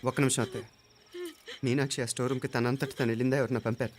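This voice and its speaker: An actor playing a sharp young male hero who calmly questions and then scolds a servant. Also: medium pitch, racing, slight background noise, natural voice. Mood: probing. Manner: probing, stern, rising to anger. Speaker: film character. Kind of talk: film dialogue.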